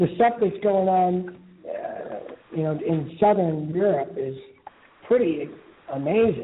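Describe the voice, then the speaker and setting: Lively intonation carries a fairly slow pace over noticeable background noise. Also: man. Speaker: rock singer and artist. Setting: phone call.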